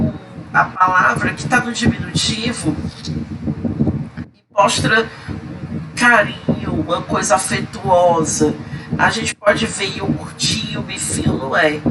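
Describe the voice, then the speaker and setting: A man with a stuffy nose teaching a recorded grammar lesson, listing word examples slowly with frequent fillers. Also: a bass voice. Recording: loud background noise.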